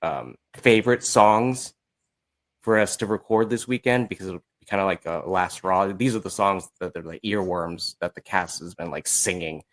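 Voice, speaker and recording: Male podcast guest, low-pitched, informal and unscripted, often feeling around for the right word. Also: moderate pace. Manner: informal, hesitant, searching for words. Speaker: podcast guest, musical creator. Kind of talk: casual interview chat.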